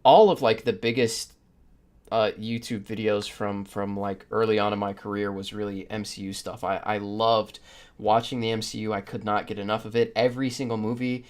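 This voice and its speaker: A man's voice: lowish voice, little pitch movement, normal speed, a little mellow. Opinionated man hosting a casual podcast. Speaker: podcast host.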